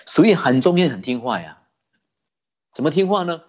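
Buddhist preacher telling a story, lively swinging pitch, husky tone, dull lo-fi sound. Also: normal speed. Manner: animated, many rhetorical questions to the audience. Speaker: Buddhist dharma teacher. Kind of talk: storytelling sermon.

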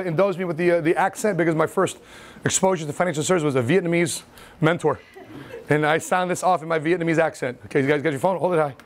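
A man in his forties giving an animated motivational seminar talk in a training room, laughing and acting out scenes as he paces. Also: sits high. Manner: paces and gestures in front of the audience. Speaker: seminar speaker. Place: indoor training room with whiteboard and seated audience.

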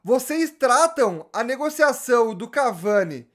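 A man's voice: very high voice, big pitch swings, measured pace, fairly bright tone. A young man, chatting animatedly to camera about football, slangy and full of restarts. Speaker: football YouTuber. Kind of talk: casual fan commentary to camera. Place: small indoor room with gaming chair.

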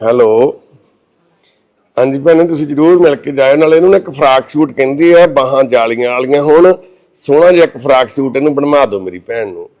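Gentle man soothing and reassuring. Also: medium pitch, a little fast. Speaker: charity volunteer. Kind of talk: comforting, casual talk.

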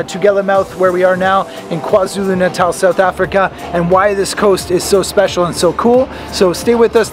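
A man in his thirties with a fairly high voice, talking brightly to a handheld camera while travelling. He chats outdoors on a deck, gesturing as he goes, with music playing clearly underneath. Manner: upbeat, chatty, talks to camera with hand gestures. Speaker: travel vlogger. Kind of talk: travel vlog chat and voice-over narration. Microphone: handheld camera at arm's length.

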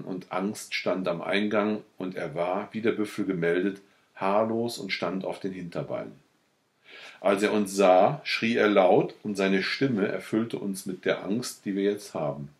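A man narrating a classic literary story as an audiobook, in a measured storytelling manner. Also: sits low. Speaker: audiobook reader.

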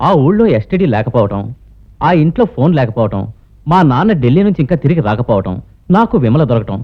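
A man's voice: medium pitch, very animated, fast, muffled recording, lightly acted. An actor playing a greedy, scheming young man who talks glibly. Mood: smug. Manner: glib, scheming.

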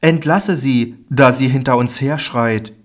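A man's voice: mid-range voice, unhurried, lightly acted. A man voicing a group of worried followers, asking questions in a slightly raised voice, in a Bible audiobook reading. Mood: questioning.

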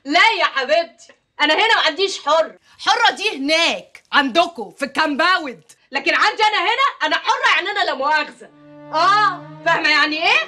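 A sharp-tongued, brash alley woman. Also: very high voice, animated, full character voice. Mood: scolding. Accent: Egyptian Arabic. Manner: fast, scolding, quarrelsome. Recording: TV drama with faint music.

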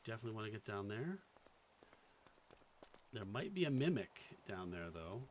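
A man's voice: on the low side, sing-song, moderate pace, a little mellow, slight background noise. A man with a faint Boston accent, casually thinking aloud and chatting with viewers while streaming a game. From Boston area. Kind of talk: casual live-stream commentary.

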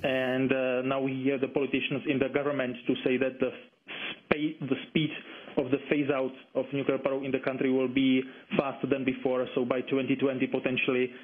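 A man is being interviewed over a phone line that narrows his voice. His intonation stays quite flat. He explains things carefully, with some hesitation as he chooses his phrases. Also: mid-range voice, brisk. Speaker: interviewed environmental campaigner. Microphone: telephone. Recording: dull, band-limited phone line.

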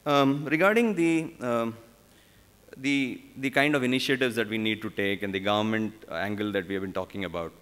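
A man's voice: fairly low pitch, a bit bright, smooth. Indian man at a conference podium. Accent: Indian English. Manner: halting, many fillers and restarts. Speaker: conference speaker. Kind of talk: conference panel talk. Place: large conference hall on stage. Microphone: podium microphone. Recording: long hall reverb.

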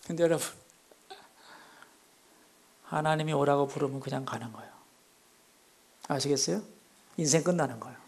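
A middle-aged man preaching in a church with a fairly high voice. He swings from loud, ringing exclamations down to hushed near-whispers. He keeps putting questions to the congregation as he goes. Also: moderate pace, vocal fry, long pauses, slightly rough. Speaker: pastor. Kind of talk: sermon. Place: church sanctuary.

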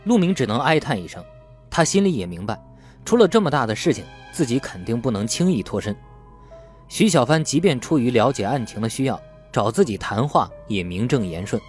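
A man's voice: medium pitch, sing-song, brisk, faint music behind. A man reading scripted, dramatic story narration as an audiobook narrator.

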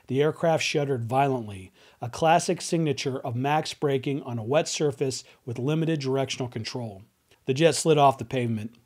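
A man's voice: mid-range voice, darkish tone. A man in his forties giving scripted narration as an aviation video host into a desk microphone. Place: indoor studio. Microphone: desk microphone on boom arm.

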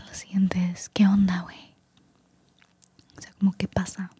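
Female ASMR whisperer, very breathy, dry close sound, a singing mic held near the lips. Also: mid-range voice, completely flat delivery, slow pace, dry recording. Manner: soft whisper mixing in English words. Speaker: vlogger teaching slang. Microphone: singing microphone close up.

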